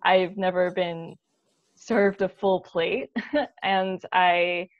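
A woman's voice: on the low side, little pitch movement, very slow, dry recording. An American woman in her thirties from Brooklyn, talking candidly as a panel guest in a roundtable over a video call. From Brooklyn, New York. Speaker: theatre maker and panel guest. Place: bright living room at home. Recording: slightly dull video-call audio.

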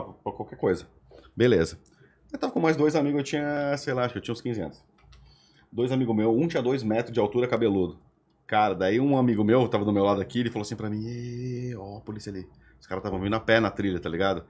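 A man who is a podcast guest and former radio host, telling a lively, slangy anecdote in casual chat. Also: mid-range voice, slightly rough.

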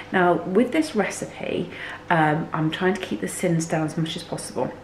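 A woman in her forties, a little hoarse from a cold, chatting to camera in her home kitchen with lots of ums and "okay?". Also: deep voice. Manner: chatty, many ums, stresses points with "okay?". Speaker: cooking vlogger. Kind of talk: chatty cooking vlog to camera. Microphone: handheld camera close to face. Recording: echoey kitchen with faint hum.

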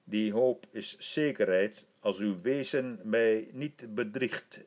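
A man voicing a slow, stately old emperor. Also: on the low side, a little mellow. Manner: stately, measured and formal. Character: older male emperor, gracious and commanding. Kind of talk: audiobook reading.

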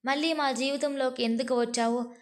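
A woman's voice: sits high, steady tone, fairly quick, close to an everyday voice. A woman reading the lines of a fierce, grieving mother who stands defiant in an audio story.

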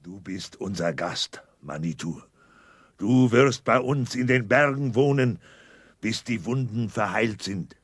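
An actor playing a stern, suspicious, reverent Native American chief in a children's audio drama, husky and solemn. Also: male voice, fairly low pitch, expressive, no room sound, full character voice. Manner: slow, solemn, forceful. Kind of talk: 1980s German children's audio drama acting.

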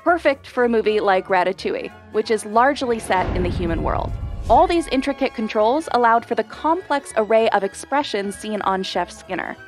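A woman giving scripted narration for an explainer video, clear and measured. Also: on the high side, lively intonation, soft background music.

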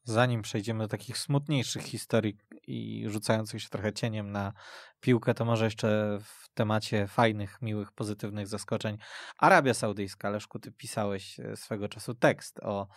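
A man's voice: fairly low pitch, fairly even intonation, moderate pace, no room sound, clean studio sound. A man hosting a conversational football discussion on a radio podcast. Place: radio studio.

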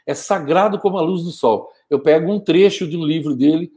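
A man's voice: a little high, brisk. Man in his fifties, fiery motivational speaker. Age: 50s. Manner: forceful, scolding, gestures a lot. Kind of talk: motivational live stream. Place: small home studio with film props. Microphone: wired earphone mic, webcam framing.

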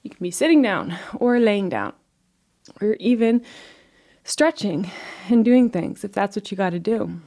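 Woman, meditation teacher, mellow tone, gravelly fry, gentle phrasing, frequent pauses, soothing guided instruction. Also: medium pitch, expressive.

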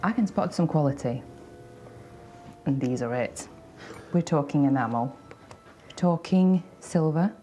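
Animated woman antiques expert. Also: deep voice, a little slow, long pauses, soft background music. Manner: animated, theatrical storytelling. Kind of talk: casual presenting to camera. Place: indoors in a large antiques shop.

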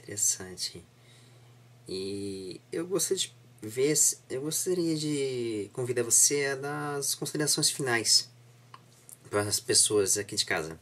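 A Brazilian man in his twenties hosts with reflective remarks to his viewers. His voice sits in the middle range and has a husky grain. He speaks deliberately and formally, with encouragement. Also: mid-range voice, expressive, sharp tone. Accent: Brazilian Portuguese. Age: 20s. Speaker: interview host. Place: living room at home.

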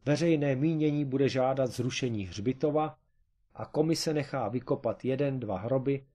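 A man voicing an excitable, scheming amateur detective in a comic storybook reading, with an eager, explaining manner and a raised voice. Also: mid-range voice, close to an everyday voice.

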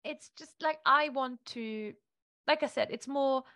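Animated woman on a video call. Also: high voice, a little slow, dry recording, clean studio sound. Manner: animated, gestures while talking. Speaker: guest. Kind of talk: casual conversation. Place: home room, indoors. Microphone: earphones on a video call.

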